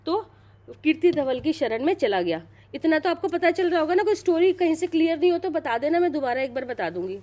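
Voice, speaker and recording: A high-pitched middle-aged woman narrating a sacred tale to a small group. She talks casually and loosely, circles back over her words and restarts sentences, and stops now and then to check that everyone is following. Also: very animated, brisk, a little mellow. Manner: chatty, repeats and restarts, checks listeners follow. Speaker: storyteller retelling a Purana. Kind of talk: casual religious storytelling.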